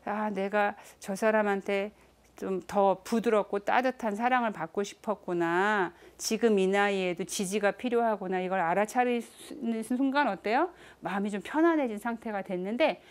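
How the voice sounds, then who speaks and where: A middle-aged woman lectures an audience on nonviolent communication. She asks the listeners questions as she goes. When she quotes family members, she acts them out with sudden jumps up in pitch.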